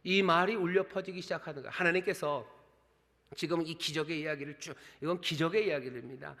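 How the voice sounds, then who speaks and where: A man preaching a sermon as pastor, with earnest appeals, quiet asides and quoted lines acted in everyday tones. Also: a little high, a little fast. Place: large church sanctuary. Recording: long reverb of a large sanctuary.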